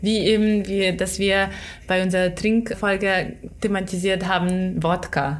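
A woman speaks at a fairly slow pace with monotone, flat intonation at medium pitch, her loudness very even amid audible room echo. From Ukraine. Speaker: podcast co-host. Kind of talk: casual chat.

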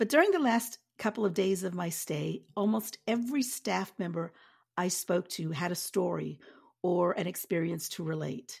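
A woman's fairly low voice with vocal fry, a warm, animated tone, lively intonation and a moderate pace, in a very clean recording with a silent background. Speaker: podcaster and life coach. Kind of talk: ghost story telling, told as a personal anecdote. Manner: warm, conversational, animated.

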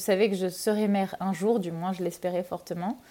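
A woman speaks at a medium pitch with fairly even intonation and a dark, mellow tone. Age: 30s. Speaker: pharmacist and military spouse. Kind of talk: casual interview. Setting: remote recording. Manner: hesitant, many fillers.

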